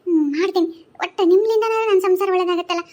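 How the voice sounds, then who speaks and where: A woman's voice: extremely high pitch, steady tone, rapid-fire, darkish tone. A woman voicing a pleading village wife with a North Karnataka accent. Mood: resolved. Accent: North Karnataka Kannada. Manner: pleading, tearful, repeats "yavva". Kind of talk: cartoon voice acting.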